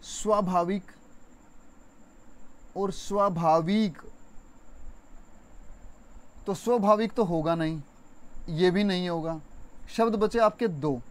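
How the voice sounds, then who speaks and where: A young man teaching an exam-prep Hindi spelling lesson, chatty and repetitive, stretching words slowly to show stress. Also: high voice. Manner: addresses viewers as friends, conversational.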